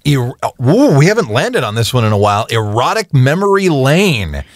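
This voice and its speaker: Playful man with a lively voice. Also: mid-range voice, moderate pace, dry recording. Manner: playful, wry, hosts the show segments. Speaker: podcast co-host. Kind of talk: casual comedic chat.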